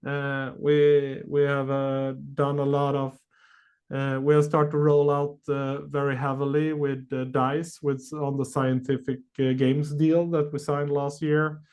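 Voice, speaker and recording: A man answering questions as a company executive on an earnings call, speaking haltingly with many long filled pauses. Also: medium pitch, flat delivery, darkish tone, clear, resonant tone.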